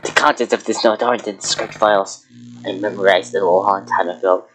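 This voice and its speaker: A man's voice: lowish voice, fairly even intonation, brisk, a bit bright, faint music behind, low-quality recording. A man playing a game with a friend, making mock-serious jokes in casual chat. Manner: mock-serious, jokey, breaks into laughter. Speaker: game player.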